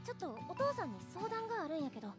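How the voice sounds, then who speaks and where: Very high-voiced sweet Kansai anime girl. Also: very animated, rapid-fire. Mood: hesitant, pleading. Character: sweet, earnest young daughter, restaurant worker. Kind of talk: anime visual novel voice acting. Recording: game audio with loud music.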